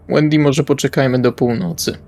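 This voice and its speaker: A man's voice: on the high side, a little mellow. A man playing a tabletop role-playing game, improvising dialogue in a casual, wry, colloquial way. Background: music.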